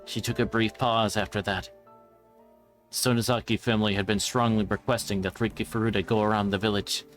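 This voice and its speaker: Low-voiced man reading a story aloud. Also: little pitch movement, a little fast, fairly bright tone. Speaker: streamer reading a visual novel aloud. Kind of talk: scripted narration read aloud live. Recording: background music.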